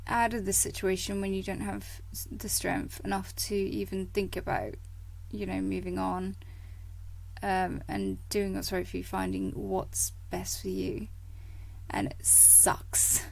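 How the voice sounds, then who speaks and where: A woman hosting a motivational podcast in a casual, rambling way, full of fillers and little laughs, her voice croaky from a coming cold. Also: mid-range voice, fairly even intonation, takes it slowly, poor audio. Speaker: podcast host.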